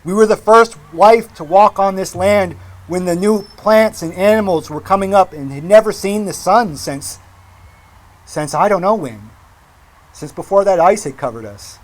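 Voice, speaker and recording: A man in his forties from Massachusetts gives an impassioned public speech at a rally, speaking emphatically with deliberate repetition. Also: high-pitched. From Mashpee, Massachusetts, United States. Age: 40s. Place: outdoor rally.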